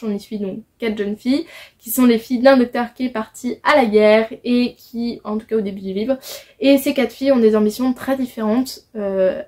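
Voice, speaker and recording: This is a young adult woman from France with a somewhat high, slightly mellow voice. Vlogging about books, she chats loosely through her reading list for a book haul, stumbling and starting over many times.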